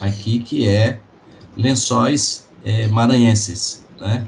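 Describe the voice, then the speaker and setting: Speaking at a medium pitch, a man sounds somewhat breathy. He goes at a very slow pace with fairly even intonation. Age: 60s. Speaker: lecturer on workplace quality of life. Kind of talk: lecture. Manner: hesitant, with many fillers.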